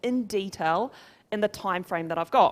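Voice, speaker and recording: An animated woman's voice in a New Zealand accent, moderate in pace with ordinary pitch variation. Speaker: business coach. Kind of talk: seminar talk.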